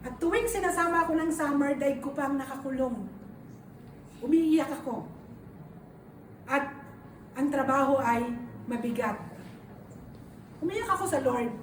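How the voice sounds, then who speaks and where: A very high-pitched woman preaches to her congregation, earnest and personal, tossing rhetorical questions to the room. Her voice carries from a distance through a reverberant church hall, with faint noise beneath. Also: a little slow, long pauses, fairly bright tone. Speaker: pastor. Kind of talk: sermon with personal testimony. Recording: echoey hall recorded from a distance.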